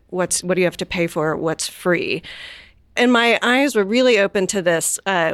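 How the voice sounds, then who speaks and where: A woman's voice: medium pitch, no echo, studio quality. A woman guest talking enthusiastically and with emphasis in a conversational discussion. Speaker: guest urbanist.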